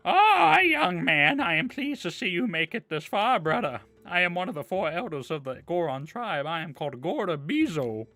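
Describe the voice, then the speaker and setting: A man's voice: high-pitched, sing-song, normal speed, few pauses, pushed and bright, no room sound, voice pushed up, heavily acted. A man voicing an old rock-creature tribe elder from a video game, reading the dialogue in hammy, amateurish bad acting. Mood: grand, welcoming.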